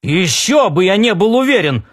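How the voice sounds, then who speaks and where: Guy voicing a rude stubborn hothead, barks and growls, pitched up and lively. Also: unhurried, full character voice. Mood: angry. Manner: barking, growling. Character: hot-tempered rude earthman, gruff and stubborn.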